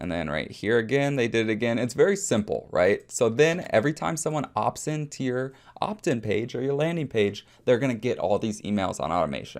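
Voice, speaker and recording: On a very clean recording with a silent background, a man talks energetically at a fairly quick pace with hardly any pauses, very wide pitch swings and vocal fry. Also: medium pitch for a man. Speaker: online marketing youtuber. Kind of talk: screen-share tutorial. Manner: fast; casual, energetic.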